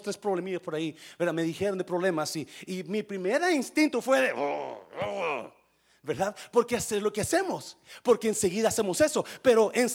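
A man preaching a sermon, asking the congregation questions and swinging from quiet asides to loud bursts, with English words in his Spanish. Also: high-pitched. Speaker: pastor.

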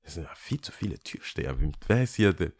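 A man's voice: low-pitched, big pitch swings, fast, a little mellow. A young man in casual chat, telling a story animatedly, acting out dialogue and dropping in English slang.

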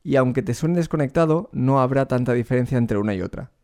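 A man teaching a singing lesson, explaining vocal technique clearly and speaking directly to the learner. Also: mid-range voice, fast talker, dark tone. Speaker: vocal coach.

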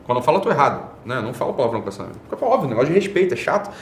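A man's voice: medium pitch, sing-song, very fast, slight background noise. A man hosting an online show, giving a blunt, casual opinion monologue full of slang, swearing and rhetorical tag questions. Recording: roomy echo.

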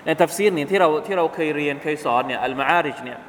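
Male mosque teacher, higher-pitched voice, animated talk broken by slow chanted verses, reverberant hall. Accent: Southern Thai. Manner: lively, self-correcting, chanting Arabic verses slowly. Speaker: Islamic teacher. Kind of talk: mosque lesson with Quran recitation. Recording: echoey hall with faint hiss.

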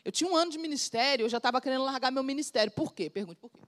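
A woman's voice: high voice, lively intonation, racing. A woman pastor with a Brazilian Portuguese accent, preaching an emphatic, repetitive sermon.

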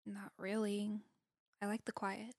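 A woman's voice: medium pitch, flat delivery, a little slow, a little mellow, no room sound, natural voice. Woman acting as young female student, guarded, dryly witty, anxious underneath, dry close recording, audio drama. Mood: reflective, wry.

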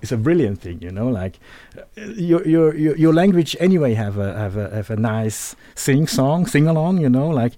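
Lively man hosting a radio chat. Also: mid-range voice, normal speed, hardly any pauses, no echo. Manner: chatty, enthusiastic, repeats words while searching for them. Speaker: radio host. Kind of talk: live radio interview.

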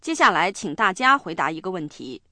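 A woman hosting a radio language lesson, explaining slowly and spelling words out one letter at a time. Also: fairly low pitch, very animated, bright, forceful tone, no room sound. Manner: slow, deliberate explaining and spelling. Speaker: language program host. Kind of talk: bilingual lesson narration.

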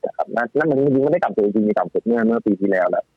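A man giving casual, animated stock-market talk as a guest analyst, with many restarts and fillers. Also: mid-range voice, racing, creaky, no echo. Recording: tinny phone-line audio, faint music.

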